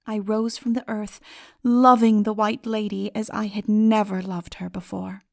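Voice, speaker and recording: A woman giving a dramatic literary audiobook narration in a measured, solemn and expressive way. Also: medium pitch, vocal fry, no room sound, studio quality.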